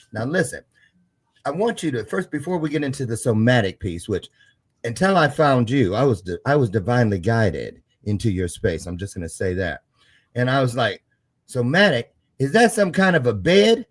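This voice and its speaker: A man hosting an interview podcast, chatty and joking, swinging between soft musing and loud excited bursts. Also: mid-range voice. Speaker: podcast host. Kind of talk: casual interview chat.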